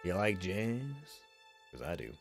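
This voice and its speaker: A man reads visual novel narration as a streamer, dramatically and with casual asides. His voice is on the low side and moves widely in pitch, with music playing faintly underneath. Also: sing-song, a little slow, gravelly.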